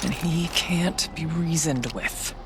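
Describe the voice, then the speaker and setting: A man playing a solemn, wry tribal shaman in a video game, speaking in a measured, earnest, mystical way. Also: a little high, background noise. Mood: grave. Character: solemn, wry Banuk shaman guiding an outlander. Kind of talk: dramatic video game dialogue.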